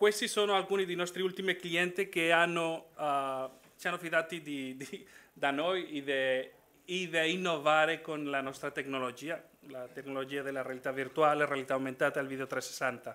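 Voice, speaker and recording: With a bright, sharp tone, a man talks at a moderate pace and a fairly high pitch, using ordinary pitch variation. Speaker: tech entrepreneur, conference speaker. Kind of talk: conference talk with live demo. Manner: halting, with fillers and restarts.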